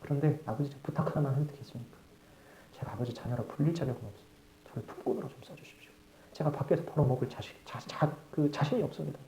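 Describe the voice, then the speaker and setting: A man acting a repentant younger son who pleads humbly in a low, quiet voice, recorded live in an echoey church. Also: fast talker, close to an everyday voice. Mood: ashamed, pleading.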